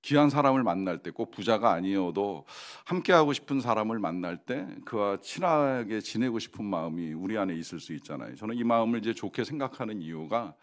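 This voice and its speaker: A male pastor gives a Sunday sermon in a church, his voice sitting fairly low. He keeps a relaxed, conversational delivery, full of small fillers and questions put to the congregation. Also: a little fast, hardly any pauses. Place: church sanctuary.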